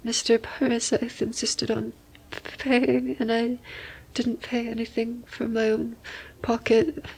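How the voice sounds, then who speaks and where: A woman's voice: on the high side, flat delivery, a little slow, vocal fry, hardly any pauses, a little mellow, breathy edge, exaggerated voice, low-quality recording. A woman voicing a timid, deferential young servant who speaks hesitantly and very politely. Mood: tearful.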